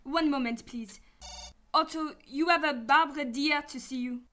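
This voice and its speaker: Sassy female assistant for radio play, acted by a woman: irreverent, high-pitched, deadpan, faint noise behind. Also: moderate pace. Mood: polite. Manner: breezy, deadpan wisecracking. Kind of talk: sci-fi radio drama acting.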